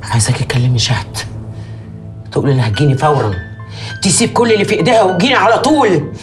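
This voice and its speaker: A woman's voice: sits low, racing, close to an everyday voice. Woman playing a stern grieving mother. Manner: commanding, harsh. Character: stern grieving mother disowning her daughter. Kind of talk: TV drama acting. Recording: music score behind.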